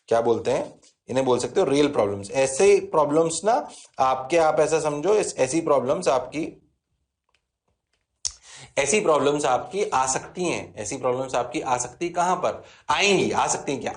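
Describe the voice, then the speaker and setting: Lively male physics teacher with Indian accent. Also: a little high. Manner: talks to students, answers himself in their voice; repeats key phrases, mixes English terms in. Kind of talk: classroom lecture. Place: classroom.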